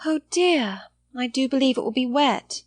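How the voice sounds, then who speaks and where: A woman's voice: sits high, lively intonation, moderate pace, no room sound, pitched above the performer's own voice. A woman voicing an anxious, earnest young lady of seventeen in an audiobook of a period novel, with plaintive, polite speech. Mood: despondent. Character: anxious, earnest seventeen-year-old young lady, hopeful then despondent.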